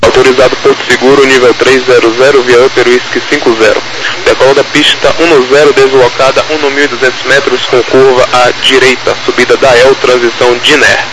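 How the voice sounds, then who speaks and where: A Brazilian man reading formulaic clearances as an air traffic controller over crackly military-style radio. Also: mid-range voice, level tone, brisk. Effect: radio transmission. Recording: crackly, noisy aviation radio.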